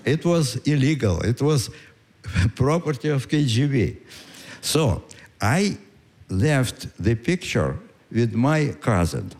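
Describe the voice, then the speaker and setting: A man in his nineties with a Russian accent, telling a story on stage in a halting way with many pauses and fillers. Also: mid-range voice, very animated, a little mellow. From Ukraine. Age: 90s. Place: stage before a live audience.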